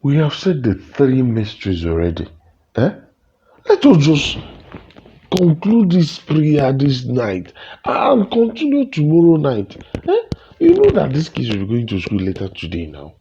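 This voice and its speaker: A man's voice: mid-range voice, huge pitch swings, a little slow, mellow. A man playing a mild, tired Nigerian father in an audio drama, coaxing and hesitant, with a Nigerian accent. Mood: pleading. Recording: dull lo-fi sound, faint noise.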